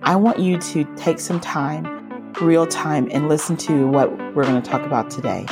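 A woman's voice: low-pitched, fairly even intonation, moderate pace, music in the background. A woman in her forties, slightly nasal as she recovers from a cold, hosting her podcast in an earnest, encouraging storytelling way. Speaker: podcast host. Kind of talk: solo podcast monologue.

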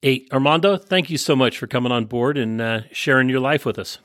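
A podcast host from Northern California runs an off-road interview show, reading his intro and ads before chatting with his guest. His medium-pitched voice is brisk and fairly bright, recorded dry in a clean studio.

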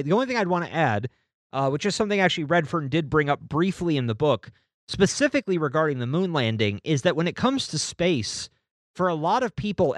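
Guy on a podcast, kinda high voice, super lively, reads from a book, dry sound. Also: no echo. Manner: lively, animated delivery with restarts. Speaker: podcast co-host. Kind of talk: casual book-club chat and reading aloud.

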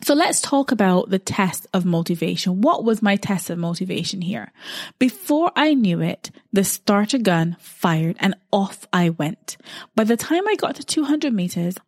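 A woman's voice: medium pitch, no echo, clean studio sound. A woman, hosting a solo podcast and telling a personal story in a reflective, conversational way. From Barbados. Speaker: podcast host.

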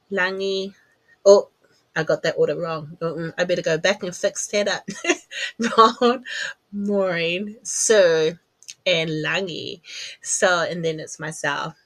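A woman's voice: mid-range voice, fairly bright tone. A woman with a New Zealand accent, chatting casually to camera from her home office as a podcast host, laughing at herself often.

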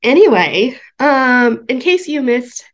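A woman's voice: sits high, lively intonation, slow pace. Congested woman hosting a chatty podcast. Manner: chatty, upbeat, many fillers and restarts. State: congested, stuffed up. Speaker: podcast host. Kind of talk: solo podcast talk.

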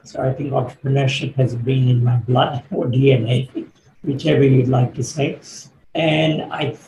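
A middle-aged man, born in Kenya and raised in the UK, answering interview questions as a business coach in a thoughtful, measured way with fillers. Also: mid-range voice, little pitch movement, gravelly, warm tone, highs cut off. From born in Kenya, grew up in the UK. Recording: echoey room, faint background noise.

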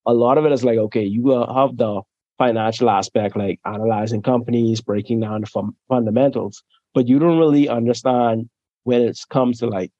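A young man from the Bahamas, a podcast guest chatting casually, who laughs often and trails off softly at the ends of his sentences. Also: medium pitch, steady tone, fairly quick, no echo, lo-fi sound. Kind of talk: casual interview chat.

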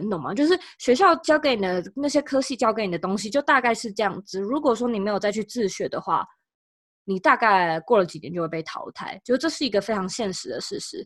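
A woman's voice: mid-range voice, no echo, studio quality. Woman guest. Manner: explanatory, gives practical advice step by step. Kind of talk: casual interview chat.

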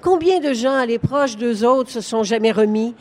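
A woman's voice: on the high side, normal speed. An older woman with a Québécois accent, a novelist talking frankly at a live book fair interview, laughing often. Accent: Québécois French. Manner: frank, laughing, animated storytelling. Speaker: novelist guest. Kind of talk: conversational interview on stage.

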